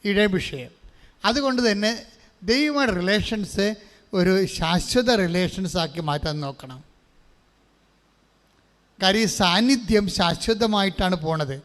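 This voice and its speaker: A man's voice: sits high, expressive, a little slow, long pauses, a bit bright. A man preaching a sermon. He quizzes the congregation and has them repeat scripture after him, and drops English phrases into his talk. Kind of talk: sermon with call-and-response. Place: large church hall. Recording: long hall reverb.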